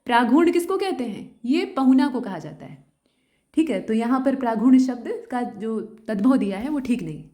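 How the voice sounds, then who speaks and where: High-pitched woman teacher going over answer key, explains step by step, keeps checking in. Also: expressive, normal speed, dark tone. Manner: explanatory, repeats points with frequent checks.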